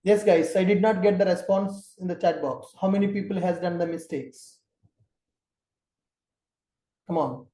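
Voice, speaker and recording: A man's voice: sits high, fairly quick, warm tone, reverberant, rough recording. A man teaching an online class as trainer, explaining patiently and step by step.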